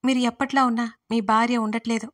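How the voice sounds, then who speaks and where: A woman's voice: fairly high pitch, flat delivery, quick pace, fairly bright tone, natural voice. A woman voicing a hurt, demanding adult daughter who confronts her parents in an audiobook family drama. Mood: reproachful. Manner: reproachful, emotional. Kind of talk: audiobook role reading.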